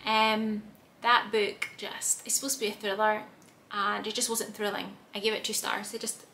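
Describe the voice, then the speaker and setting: A young woman with a slightly hoarse voice, chatting to camera as a book vlogger in a small room, rambling with lots of fillers. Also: medium pitch, flat delivery, moderate pace, sharp tone, a little hiss or hum. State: slightly hoarse, clearing throat. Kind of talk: casual chat to camera. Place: small room with bookshelves, indoors.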